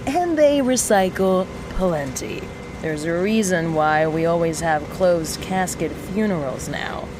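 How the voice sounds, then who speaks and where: A woman playing a sardonic mechanic in a sci-fi audio drama, rambling to a listener with mock-solemn, theatrical pauses. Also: fairly low pitch, expressive, background noise. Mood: dry sarcasm. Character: sardonic, rambling young female mechanic in an underground resistance.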